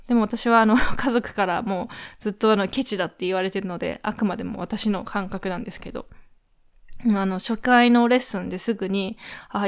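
A woman from Japan hosting her own podcast, chatting casually and warmly with frequent fillers. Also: mid-range voice. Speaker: podcast host. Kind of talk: casual solo podcast chat.

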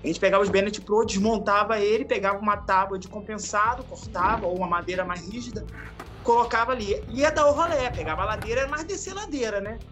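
A man's voice: high-pitched, over music. Laid-back Rio man in his forties. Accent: Rio de Janeiro Brazilian Portuguese. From Araruama, Rio de Janeiro state, Brazil. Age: 40s. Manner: relaxed, laughs often, drawn-out slang-filled storytelling. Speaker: podcast guest, skateboarder. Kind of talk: casual storytelling interview.

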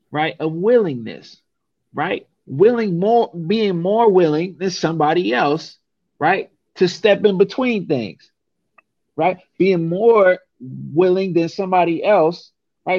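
A man's voice: sits high, expressive, unhurried, a little mellow, dry recording, muffled recording. A young man from San Francisco, talking casually and emphatically, often ending points with a rhetorical "right?". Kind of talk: casual conversation.

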